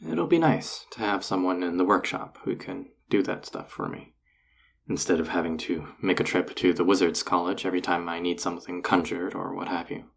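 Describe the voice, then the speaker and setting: A man acts out a self-assured male enchanter boss in an intimate fantasy audio roleplay. His voice is low and gravelly, with a husky edge. He talks straight to the listener, teasing and coaxing with casual, flirtatious confidence. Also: brisk, full character voice. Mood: friendly, businesslike. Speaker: voice actor.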